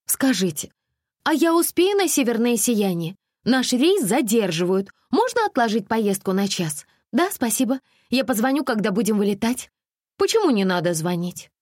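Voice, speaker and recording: Shrill bossy 30ish woman, swoopy and whiny, a lady reading puts her on. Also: big pitch swings, moderate pace, a little mellow, no room sound, studio quality. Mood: chirpy. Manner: shrill, petulant, exclaiming. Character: flighty demanding woman of thirty, Alice.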